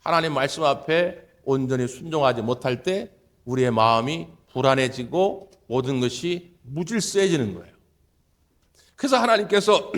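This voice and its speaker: A man preaching a sermon to his congregation, stressing points with repeated phrases and bursts of louder, higher speech. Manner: emphatic preaching with repeated phrases and sudden rises in pitch and volume. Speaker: pastor. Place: church sanctuary.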